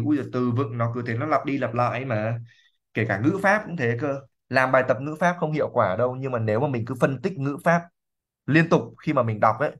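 During a livestream reading lesson, an English teacher explains English words, repeating them slowly and thinking aloud with fillers. He has a medium-pitched voice.

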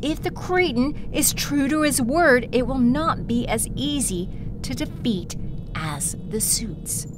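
A woman's voice: high-pitched, animated, slow. A woman playing an imperious, scornful space villain ruler, speaking in a commanding, theatrical way. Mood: scheming, impatient. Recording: clear background noise.

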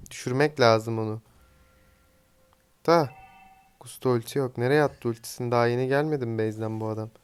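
A young man with a smooth, clear voice at an ordinary middle pitch, talking loosely to his viewers while he plays. He teases his teammates and swears lightly at them. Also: steady tone, brisk, long pauses. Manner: chatty, teasing, swears casually at teammates. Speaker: gaming streamer. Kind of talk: casual live gameplay commentary.

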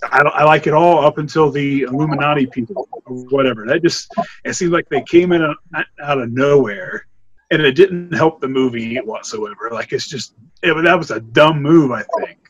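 Slightly rough and on the high side, this man's voice comes at a normal speed, though the highs are cut off. He's in his thirties, co-hosting a horror podcast via video call from a home room on a desk mic. The film review chat is loose and rambling, full of laughter, and he gets animated when amused.

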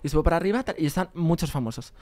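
Young man, rapid animated storytelling, fairly high voice, dry close sound. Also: no echo. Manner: fast, animated anecdotes with loud laughing bursts. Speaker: guest. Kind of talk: casual podcast chat, storytelling.

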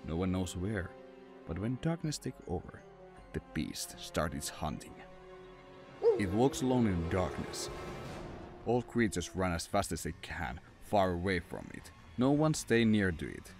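A man's voice: deep voice, very animated, measured pace, over music. A man who is not a native English speaker, narrating a scripted horror story in an ominous, dramatic way. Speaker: narrator and writer.

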